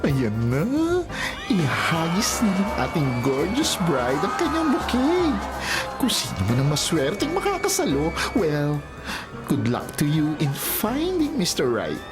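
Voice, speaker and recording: A man's voice: fairly high pitch, wildly swooping pitch, measured pace. A man playing a flamboyant, teasing gay wedding emcee in a radio drama, with campy, theatrical announcing. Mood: playful teasing. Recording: music behind the voice.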